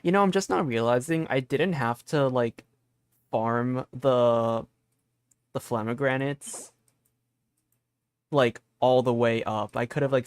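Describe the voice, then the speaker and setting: A man's voice: mid-range voice, no echo, studio quality. A man giving casual live gaming commentary as a streamer, informal and thinking aloud in a meandering way. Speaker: game streamer.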